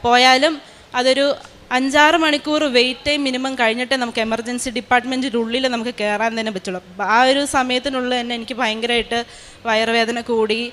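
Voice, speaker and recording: Young woman, rapid speech, slightly high voice, earnest testimony with fillers. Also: steady tone, fairly bright tone. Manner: earnest storytelling with many fillers. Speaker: testimony giver. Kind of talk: personal testimony.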